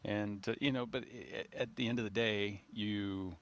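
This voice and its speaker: A man, an astronaut guest, talking off the cuff in a halting, reflective way with repeated words. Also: lowish voice, fairly even intonation. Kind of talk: unscripted live broadcast conversation.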